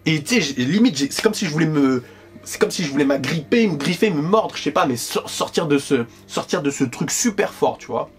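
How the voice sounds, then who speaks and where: Slangy, animated male storyteller. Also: on the high side, brisk, soft background music. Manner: slangy, animated, addresses the listener with constant asides. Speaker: YouTuber telling a storytime. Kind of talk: casual storytelling to camera. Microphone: directional microphone.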